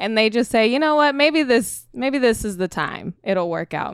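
A woman with an ordinary speaking voice talks at a moderate pace with ordinary pitch variation, the sound dry and close with no echo on a very clean recording with a silent background. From Sacramento, California. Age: 20s. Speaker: sports podcast co-host. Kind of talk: casual chat.

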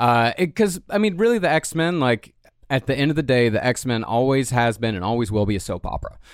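In a very clean recording with a silent background, a man has a plain, everyday voice at a medium pitch. He talks at a fairly quick pace with lively intonation. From small-town Texas. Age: 30s. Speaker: podcaster and writer. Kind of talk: interview.

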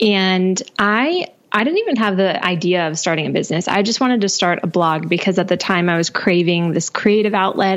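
A woman speaks at a fairly quick pace. Noticeable background noise sits behind her. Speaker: online business teacher and entrepreneur. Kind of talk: interview conversation.

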